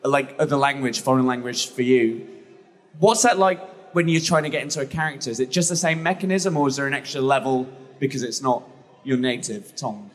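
A man moderating a live panel, talking quickly and casually and laughing easily. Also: mid-range voice.

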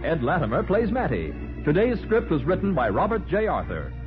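A man's voice: a little high, huge pitch swings, fairly quick, soft background music. A man announcing in formal, emphatic, scripted 1940s radio style on a muffled vintage broadcast.

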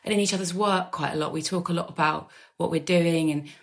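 A woman guest talks casually on a podcast in a low voice with plenty of creak. Her phrasing is informal and loose, full of small hedges, like everyday conversation. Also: brisk. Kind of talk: casual chat. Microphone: remote video call.

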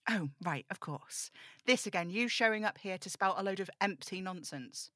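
A woman's voice: medium pitch, lively intonation, moderate pace, a bit bright, no room sound, clean studio sound, lightly acted. A woman playing a burdened, defiant young male broadcaster in an audio drama table read, snappish and sarcastic. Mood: sarcastic, guarded.

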